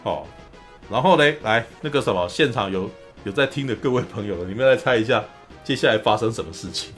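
Fast-talking man recapping a film. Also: medium pitch, soft background music. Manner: animated storyteller, often acts out quotes. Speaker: podcast host. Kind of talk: casual film recap chat.

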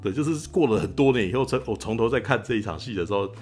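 Fast-talking Taiwanese man, podcast chat. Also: medium pitch, faint music behind. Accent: Taiwanese Mandarin. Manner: animated retelling, frequent "you know?" tag, laughs often. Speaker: podcast host. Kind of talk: casual film-review chat.

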